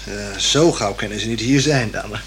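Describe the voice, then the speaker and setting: A man's voice: fairly low pitch, moderate pace, a bit bright. An actor playing a polite, simple young working-class repairman, hesitant and plain-spoken, in a radio play. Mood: puzzled, deferential. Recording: slightly noisy old radio play recording.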